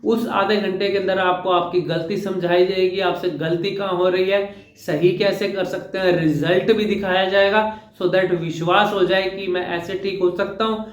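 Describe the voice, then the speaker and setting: A man with a high voice gives an instructional talk as a speech coach. He is emphatic and hammers his points home as numbered rules. The sound carries a roomy echo. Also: level tone, normal speed.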